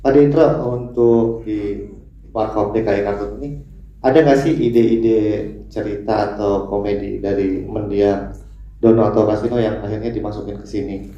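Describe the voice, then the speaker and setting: Male reporter, low mellow voice, dull echoey sound, faint noise. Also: fairly even intonation, moderate pace. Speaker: journalist asking a question. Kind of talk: press question.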